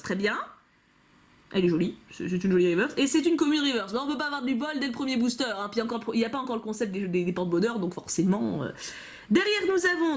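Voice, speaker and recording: A chatty YouTuber opens trading card packs and gives casual commentary on the unboxing. Her pitch swings lively as she plays around, giggles and jokes to herself.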